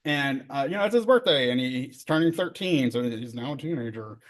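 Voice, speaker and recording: A middle-aged man with a relaxed drawl leads a therapy training session. He talks in an easygoing, joking way, checking in with his listeners and filling pauses as he explains ideas. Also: medium pitch. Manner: conversational, joking, many fillers and tag questions. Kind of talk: casual workshop lecture.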